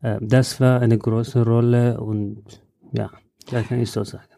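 A man with a very dark, mellow voice, recorded dry and close. He speaks in halting, phrasing and fills his pauses with hesitations as he answers questions in an interview. The sound is deadened, with no room echo. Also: mid-range voice, flat delivery, gravelly. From Afghanistan. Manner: halting non-native German with frequent "äh" fillers. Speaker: guest, journalist.

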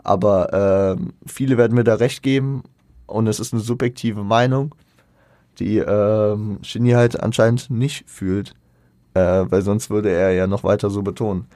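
A man with a lowish, mellow voice talks through a music review in a relaxed, casual way. He keeps restarting his sentences and filling pauses, dropping slang as he goes. The sound is dry and close. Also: dry recording. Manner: hesitant, many fillers and restarts; colloquial slang. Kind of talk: casual spoken album review.

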